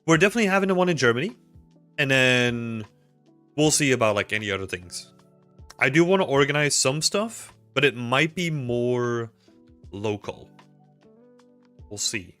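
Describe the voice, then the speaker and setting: Animated and moderately paced, this man pauses often, his medium-pitched voice pushed and bright against faint music. A Belgian livestream host in his thirties, he chats casually, rambling with many fillers while taking chat questions. He's indoors in a small home room on a desk mic with headphones.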